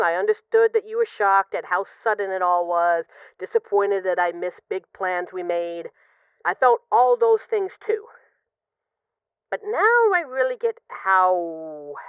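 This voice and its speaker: A close, dry, slightly muffled recording of a woman acting as a lovesick female mafia boss on an intimate phone call in an audio drama. Her voice is lowish and swings expressively. She is guarded yet vulnerable, confessing haltingly. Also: clean tone, no echo. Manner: halting, confessional, with pauses and sighs. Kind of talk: intimate scripted audio roleplay, one side of a phone call.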